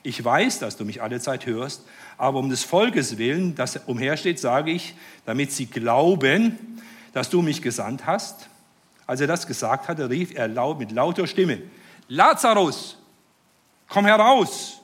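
A man preaching a sermon, earnest and fervent, rising to joyful excitement with hesitant restarts. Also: medium pitch, unhurried. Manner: earnest, rises to joyful fervor.

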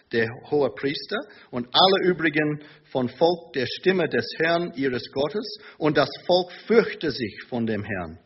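Preacher, male, lively pitch, muffled lo-fi sermon tape. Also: a little hiss or hum. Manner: slow, emphatic preaching with rising intensity; hesitant fillers between phrases. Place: church in Munich. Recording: dull lo-fi sermon recording.

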